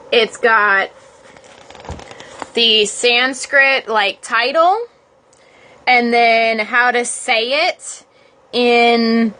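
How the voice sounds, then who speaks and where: A woman with a rather high voice hosts a casual livestream about yoga. She is informal and chatty, like someone talking to followers from a small room at home. The phone recording carries a light layer of background noise. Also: a bit bright, poor audio. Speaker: yoga blogger hosting a livestream. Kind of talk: casual livestream chat, with halting read-aloud. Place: small, cold, uninsulated cottage room.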